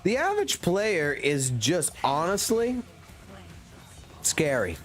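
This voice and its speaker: A man's voice: fairly high pitch, sing-song, takes it slowly, soft background music. A man in his thirties ranting profanely and emphatically on a casual gaming livestream, talking into a desk mic at a home streaming setup. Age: 30s.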